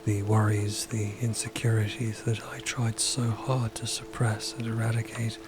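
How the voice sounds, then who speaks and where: An actor voicing a detached, emotionless undead cosmic explorer in an audio drama, speaking formally and deadpan. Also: male voice, lowish voice, normal speed, very noisy, close to an everyday voice. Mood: detached, flat. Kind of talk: dramatic audio fiction acting.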